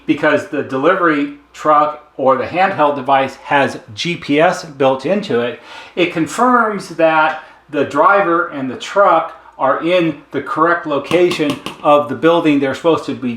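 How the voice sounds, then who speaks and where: A man's voice: a little high, a bit bright. A man giving a casual, plain-spoken explainer, taking it step by step in a conversational way. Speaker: intercom service technician and presenter. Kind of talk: casual explainer talk with a diagram. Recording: echoey, roomy sound.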